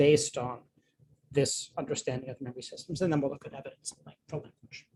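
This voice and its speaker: A man with a fairly high, somewhat breathy voice talks at a fairly quick pace with fairly even intonation. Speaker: professor. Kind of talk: lecture. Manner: fast.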